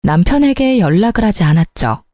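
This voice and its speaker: A woman narrates a first-person story in a calm, steady voice with a mellow, dark tone. She is recorded dry and close on a studio mic. Her reading is even and controlled, like scripted radio narration. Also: medium pitch, a little fast, no room sound.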